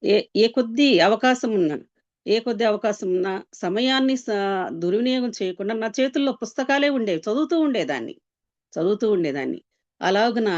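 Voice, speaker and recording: A woman giving an emotional personal testimony, earnest and pleading, with pauses and many fillers. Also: medium pitch, a little mellow, no room sound. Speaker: Christian testimony speaker. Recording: dull, dry lo-fi sound.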